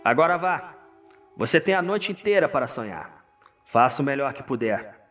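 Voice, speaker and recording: A man's voice: medium pitch, animated, normal speed, a bit bright, recorded from a distance, soft background music, voice pushed up, close to an everyday voice. A man voicing a weary old hunter, solemn and cryptic, in an audio drama. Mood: grave, foreboding.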